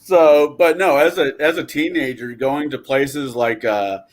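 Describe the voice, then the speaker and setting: Podcast co-host, a man with a mid-range voice, animated, profane. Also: medium pitch, a little slow. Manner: animated, swears freely. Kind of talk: casual podcast chat.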